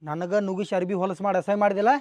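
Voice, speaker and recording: A man's voice: high voice, fairly even intonation, fast talker, darkish tone, no room sound, close to an everyday voice. An actor playing a cheeky, teasing young man in a comedy skit, speaking with a North Karnataka Kannada accent. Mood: playful. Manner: teasing, chatty.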